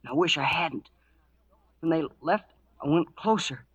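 Wary frontier boy, high bright voice. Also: moderate pace, slightly rough, lo-fi sound. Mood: somber. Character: tough, wary orphaned frontier youth, male. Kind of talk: 1940s-1950s radio western acting.

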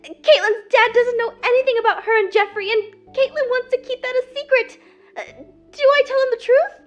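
A woman's voice: very high-pitched, fairly even intonation, fairly quick, lo-fi sound, soft background music. A young woman voicing a nervous, stammering teenage girl who gets flustered easily. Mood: worried. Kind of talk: voiced animated roleplay.

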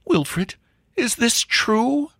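A devoted young woman in love from a comic storybook, put on by a male narrator. The voice is pitched well up, dramatic and exclamatory, swooping in intonation, with a dry sound. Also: sing-song, extremely slow, vocal fry, fairly bright tone, slightly rough, no echo, exaggerated voice. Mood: anxious. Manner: high, exclamatory.

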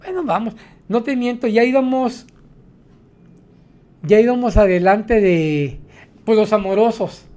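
A man's voice: high voice, unhurried, long pauses, dark tone. A man, a taxi driver, telling his stories in a rambling way, tagging his sentences with "¿no?". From Mexico. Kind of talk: storytelling interview.

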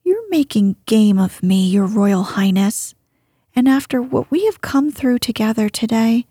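A woman doing a gruff, sulky young miner boy. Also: on the high side, expressive, measured pace, mellow, no room sound, studio quality. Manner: gruff, clipped replies.

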